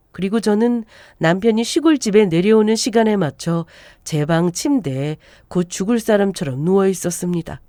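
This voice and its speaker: A woman in her forties reads a first-person story aloud, her pitch rising and falling with animated, expressive turns. Her tone is mellow and darkish, and the sound is close and dry, with no room around it. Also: dry recording. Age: 40s. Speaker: narrator. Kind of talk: scripted story narration.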